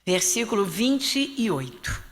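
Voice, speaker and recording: A woman pastor from Brazil with a Rio de Janeiro accent, teaching a Bible class in an animated preaching manner and slowing down to read scripture aloud. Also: medium pitch. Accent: Rio de Janeiro Portuguese. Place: church hall. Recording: long hall reverb.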